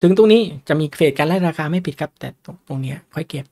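A man teaches investing in a relaxed, conversational way. His voice sits a little high for a man, and he keeps checking in with his listeners with quick questions. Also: gravelly. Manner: chatty, asks the audience questions often. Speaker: stock market teacher. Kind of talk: casual lecture on stock charts.

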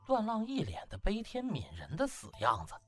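A man's voice: high-pitched, wildly swooping pitch, normal speed, fairly bright tone. Brief: male audiobook narrator, dramatic and colloquial, extremely varied intonation, music underneath. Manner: colloquial, theatrical, emphatic exclamations.

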